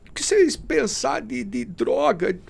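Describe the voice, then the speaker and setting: A man's voice: extremely high pitch, animated, measured pace, vocal fry, breathy edge. A man giving an emotional personal testimony as a podcast guest, speaking fervently and in a preachy way, often calling the listener brother.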